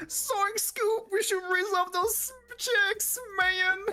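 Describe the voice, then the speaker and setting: Spoken at a very slow pace, this is a put-on character voice. Its pitch is extremely high. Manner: goofy, exclaiming.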